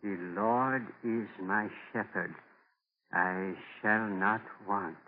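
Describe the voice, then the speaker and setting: A gentle Native American captive in a vintage radio drama, speaking slowly and earnestly in halting broken English. The broadcast sound is thin and dull. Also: male voice, fairly low pitch. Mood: humble, earnest. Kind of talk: 1940s radio acting. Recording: muffled old 1940s radio broadcast.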